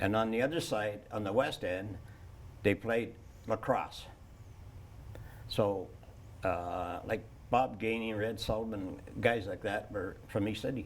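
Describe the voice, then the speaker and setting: A man with an Ontario accent, fairly low-pitched, at a fairly slow pace with long, frequent pauses and fairly even intonation. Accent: Canadian (Ontario). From Peterborough, Ontario, Canada. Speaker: retired baseball manager. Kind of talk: interview. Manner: halting, many fillers.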